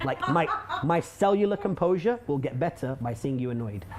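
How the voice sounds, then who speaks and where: A man speaks at a moderate pace with a fairly high pitch. His pitch swings very widely, and background noise is noticeable. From northern England, Manchester. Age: 30s. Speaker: entrepreneur and DJ. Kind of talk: casual chat. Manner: animated.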